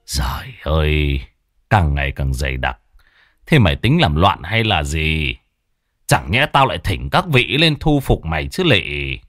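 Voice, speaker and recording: A stern middle-aged village exorcist, as a male narrator puts him on. His voice sits very low with wide swings in pitch, close and dry, grave and commanding. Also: big pitch swings, normal speed, fairly bright tone, no echo, exaggerated voice. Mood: grim.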